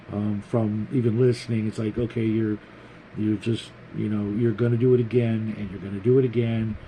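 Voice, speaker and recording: A man talking casually and unscripted like a hobby show host, rambling haltingly and repeating words as he thinks. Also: on the low side, warm tone, slight background noise, low-quality recording. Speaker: host of a tabletop role-playing hobby show. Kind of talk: casual unscripted opinion monologue.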